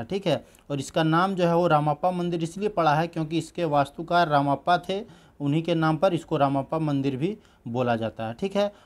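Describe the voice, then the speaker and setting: A man's voice: fairly high pitch, a little mellow. A man teaching an exam-prep current-affairs lesson, repeating key facts and checking in with his students as he goes. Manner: repeats "thik hai" and "dekhiye" as he explains; drills facts by repeating them slowly.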